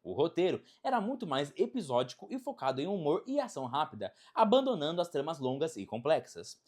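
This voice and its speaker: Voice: mid-range voice, sing-song, fairly quick, a little mellow. A Brazilian narrator with an emphatic, dramatic delivery, reading a scripted video essay.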